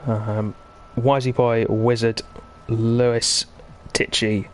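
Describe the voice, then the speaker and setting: Male sim racing host, mid-pitched, conversational live commentary with banter, some background noise. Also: little pitch movement, slow pace.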